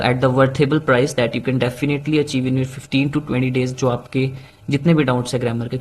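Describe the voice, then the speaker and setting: A man's voice: mid-range voice, low-quality recording. A young man with an Indian accent teaches English exam tips in a casual, chatty way, dropping in "like", "basically" and "right?" as he goes. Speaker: PTE exam tutor. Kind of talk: casual tutorial talk mixing Hindi and English.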